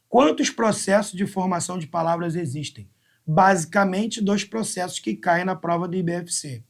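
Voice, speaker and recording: A man with a fairly high voice and a Brazilian Portuguese accent teaches a live exam-prep class. He works through each question step by step and counts syllables out slowly, one by one. He speaks close to the mic.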